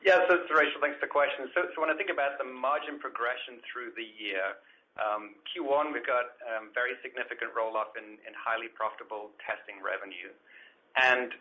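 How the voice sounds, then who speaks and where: A man's voice: mid-range voice, a little fast. A man, a finance executive, explaining margins on an earnings call, often repeating words as he restarts. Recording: tinny phone line.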